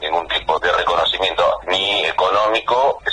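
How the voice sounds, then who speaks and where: This man talks at a medium pace, with noticeable noise in the background. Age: 60s. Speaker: war veteran, association president. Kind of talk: radio interview.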